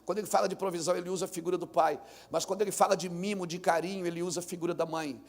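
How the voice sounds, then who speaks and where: A male pastor with a Brazilian Portuguese accent, preaching a lively live sermon at a church conference, telling stories and rising to shouts. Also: high voice, racing. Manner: animated preaching that builds to shouts; tells stories through acted dialogue.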